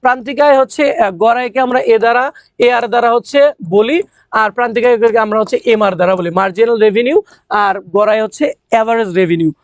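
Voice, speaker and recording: Fast-talking high-voiced male teacher. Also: steady tone, dry recording, muffled recording. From Bangladesh. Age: young adult. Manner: fast, repeats points, quizzes students. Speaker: economics teacher. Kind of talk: online class lecture.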